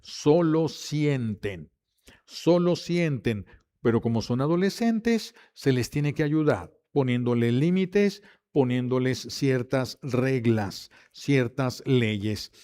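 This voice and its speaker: A man preaching a sermon, acting out the voices of family members in quick anecdotes. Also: mid-range voice, lively intonation, mellow. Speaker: priest.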